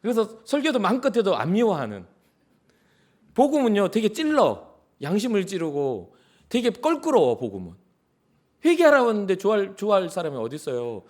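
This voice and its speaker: Middle-aged male pastor, conversational sermon delivery, very expressive pitch, acts out quotes. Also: brisk. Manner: animated, conversational, acts out quotes, drops to soft whispers. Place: church sanctuary.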